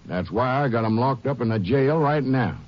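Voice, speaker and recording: An actor playing a gruff, folksy, defensive small-town Texas sheriff in a 1950s radio western. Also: male voice, medium pitch, lively intonation, moderate pace, lightly acted. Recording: muffled old radio recording.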